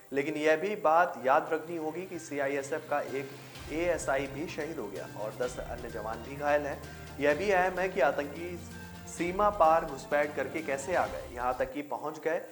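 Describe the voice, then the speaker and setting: A man reading a scripted news bulletin as the anchor, with music behind him. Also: a little high.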